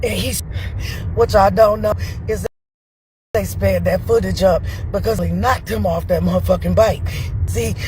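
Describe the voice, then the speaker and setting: A woman's voice: on the high side, darkish tone. A woman giving an impassioned, angry public statement as a grieving parent, emphatic and profane. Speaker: victim's parent speaking out.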